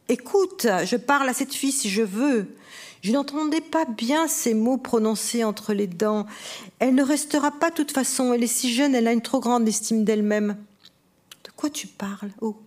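A woman's voice: mid-range voice, a little mellow. A woman author reading her novel aloud at a festival reading, in an intense, dramatic first-person manner that also acts out the dialogue. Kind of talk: literary reading.

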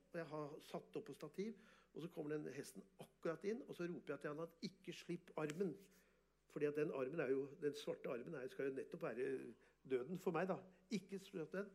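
A man, an artist and photographer, telling animated, boastful stories in an interview and often laughing. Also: mid-range voice. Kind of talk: casual storytelling interview.

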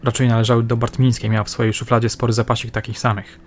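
Man doing a blunt gruff police sergeant. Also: medium pitch, flat delivery, quick pace, slight background noise, natural voice. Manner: blunt, slangy.

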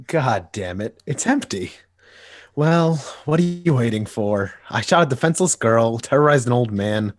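A man voicing a manic, menacing male clown villain in a dramatic comic reading, theatrical and husky. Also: medium pitch, animated, moderate pace, dry recording, studio quality, natural voice. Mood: taunting. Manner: theatrical, swings between menace and giggling.

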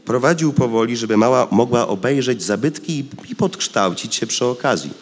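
A man narrating a novel in an expressive, lively reading style. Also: medium pitch, normal speed, slightly rough, in a large hall. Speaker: audiobook reader.

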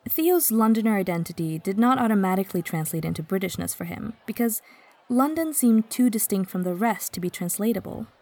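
A woman from Stockholm whose first language is Swedish, narrating a podcast in a measured, reflective way. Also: medium pitch, lively intonation, a little mellow, a faint crowd. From Sweden, Stockholm. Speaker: podcast host. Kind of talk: scripted narration.

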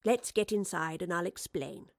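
A woman's voice: fairly low pitch, creaky, dry recording, clean studio sound. A woman voicing an educated young Victorian lady inventor, earnest and anxious, in an audiobook story. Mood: evasive, resigned. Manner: well-spoken, earnest, halting when explaining. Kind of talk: acted audiobook dialogue.

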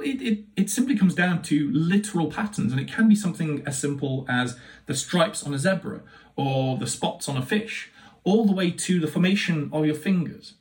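Higher-voiced man, enthusiastic academic explainer. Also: recorded from a distance. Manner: enthusiastic, emphatic, conversational explaining. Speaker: university lecturer.

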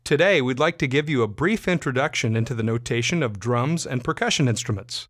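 A man reading scripted training narration with clearly enunciated, instructional delivery, as an e-learning voiceover narrator. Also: medium pitch, lively intonation, fairly quick, fairly bright tone, no echo, studio quality. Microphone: close studio voiceover mic.

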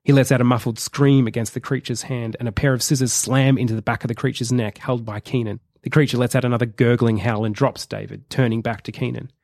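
A male podcast host narrating a comedic film pitch in a vivid, measured storytelling way. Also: steady tone, vocal fry, a little mellow, dry recording. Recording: dry close sound.

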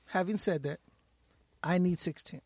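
A man's voice: high-pitched, measured pace, darkish tone, a little hiss or hum. A man hosting a casual podcast, jokey and hyped. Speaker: podcast host.

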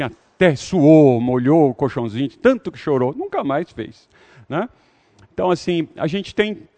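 A man's voice: mid-range voice, darkish tone. A man leading an interactive Bible study, talking conversationally and putting questions to the audience.

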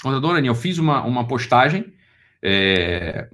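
A man's voice: mid-range voice, sing-song, fairly bright tone. A man with a Brazilian Portuguese accent who lectures on philosophy. He delivers a heated monologue and often repeats his points for emphasis. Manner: rapid, repeats himself for emphasis.

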